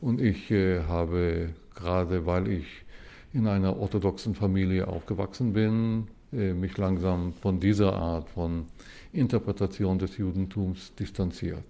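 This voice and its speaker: Gravelly, deep-voiced man in his seventies. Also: fairly even intonation, mellow. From Israel. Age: 70s. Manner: measured, explanatory. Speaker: interview guest, historian. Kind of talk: casual interview talk.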